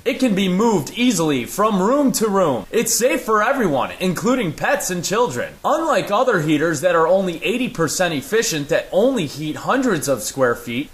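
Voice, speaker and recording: A man's voice: high voice, a bit bright. A man reading a scripted infomercial sales narration as an upbeat commercial announcer.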